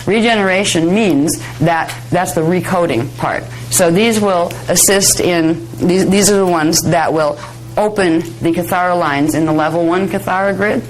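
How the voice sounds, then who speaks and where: Slightly hoarse woman teaching a workshop. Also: on the low side, moderate pace, hardly any pauses, soft background music, rough recording. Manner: conversational, chatty, self-deprecating asides. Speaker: workshop instructor. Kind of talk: informal workshop lecture with demonstration. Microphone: worn or held microphone close to the face.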